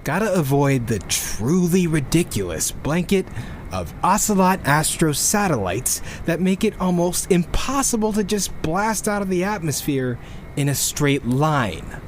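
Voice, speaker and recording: A man's voice: on the high side, lively intonation, unhurried, a little hiss or hum. A man playing a geeky, exasperated rocket programmer who rambles and swears through a casual audio log in a sci-fi drama. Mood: nerdy, rambling. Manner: rambling, self-interrupting, swearing.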